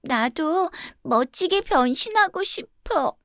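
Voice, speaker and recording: A woman voicing a self-conscious young crow in an earnest, childlike, expressive storybook style. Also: very high-pitched, takes it slowly, no echo, studio quality, pitched above the performer's own voice, full character voice. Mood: yearning.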